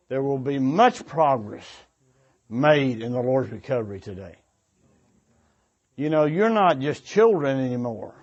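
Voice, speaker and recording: A preacher with a somewhat high male voice gives an informal sermon to young adults at a church gathering, earnestly exhorting them. He works haltingly through his points, repeating and rephrasing along the way. The audio sounds dull and slightly muffled.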